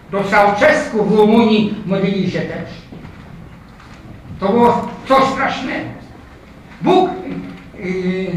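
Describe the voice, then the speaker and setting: An older man with a high, somewhat bright voice preaches a sermon, calling his listeners "kochani moi," reading Bible verses aloud and posing rhetorical questions to the congregation, often with "prawda?" and "tak?". A distant mic in an echoey hall picks up slight background noise and faint ambience.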